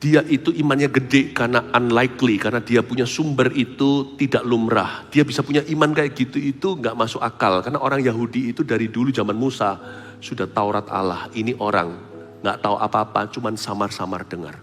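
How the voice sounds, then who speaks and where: A man preaching a sermon as pastor, animated, swinging between loud exclamations and soft asides. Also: mid-range voice, fairly quick. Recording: preaching hall with long reverb and faint music.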